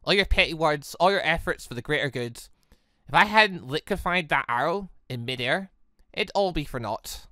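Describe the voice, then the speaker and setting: A woman's voice: deep voice, expressive, normal speed, fairly bright tone, dry recording, studio quality. A woman voicing a wounded, self-reproaching but defiant young maiden in a visual novel, brooding and dramatic.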